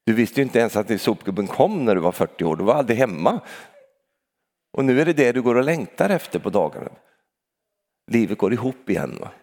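Older man preaching in a church hall with a long reverb tail; chatty, lively pitch, tag questions everywhere. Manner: chatty, keeps adding questioning tags for agreement, laughs easily. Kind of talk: conversational sermon.

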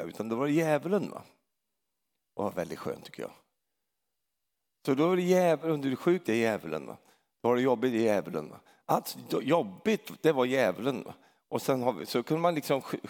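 Preacher guy, middle-aged, chatty sermon, keeps saying va?, big echo like a church hall. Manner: conversational storytelling, tags lines with a questioning "va?"; hesitant restarts, grows loud and emphatic at high points. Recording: long reverb of a large hall.

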